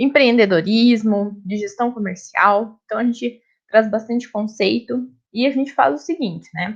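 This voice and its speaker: With ordinary pitch variation and a moderate pace, a woman speaks at a fairly high pitch. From Rio Grande do Sul, southern Brazil. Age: 20s. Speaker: course teacher. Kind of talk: online lecture.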